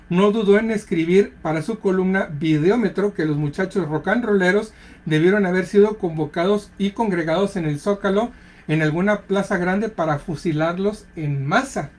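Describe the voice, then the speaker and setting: A radio host with a Mexican Spanish accent, talking casually to listeners and checking in with quick tag questions and fillers. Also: mid-range voice. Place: radio studio.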